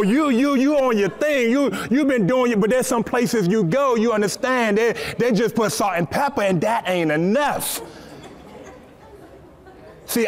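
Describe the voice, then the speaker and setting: High-voiced young man preaching. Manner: lively, repetitive preaching with stammered restarts. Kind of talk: sermon. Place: church stage, seated on a stool.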